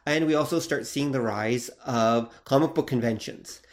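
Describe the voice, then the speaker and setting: A man's voice: medium pitch, normal speed. A man co-hosting a podcast, talking loosely and steering the conversation along. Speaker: podcast co-host. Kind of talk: casual podcast discussion.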